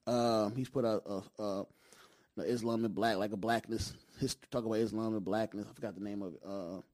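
A brisk man with a low-ish, darkish voice and a steady tone talks casually. He's from Detroit in the United States and has an African American accent. Emphatic and repetitive, he keeps using checking tags to confirm he's being understood.

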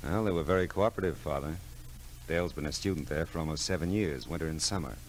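An American actor playing a hard-boiled, world-weary private detective, dry and terse, narrating and acting in a 1940s radio drama. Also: male voice, very deep voice, fast, soft background music. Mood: earnest. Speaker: lead and narrator. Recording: old radio drama recording.

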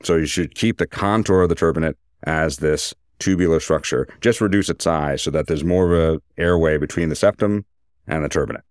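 A man's voice: extremely low pitch, a little fast, clear, resonant tone, no room sound, clean studio sound. A man speaking as a surgeon, giving an informal, detailed medical explanation in a conversational way.

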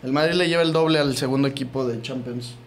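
A man's voice: medium pitch, quick pace, a little hiss or hum. A young man with a Mexican Spanish accent, co-hosting a casual sports podcast, teasing his friends and laughing often. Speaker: podcast co-host. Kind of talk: casual banter among friends. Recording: echoey room with faint ambience.

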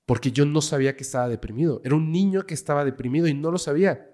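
A man with a Mexican Spanish accent, a guest on a casual podcast interview, telling a story dramatically and dropping to a hush at tense moments. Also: on the high side, rapid-fire. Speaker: guest, paranormal investigator.

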